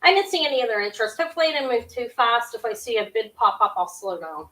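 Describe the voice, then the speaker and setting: A middle-aged woman with a sharp, high-pitched voice, hosting a live jewelry auction from her desk at home, chatty and scattered with lots of ums and quick restarts. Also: expressive, poor audio. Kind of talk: casual live-stream selling. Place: small home room with shelves of jewelry displays.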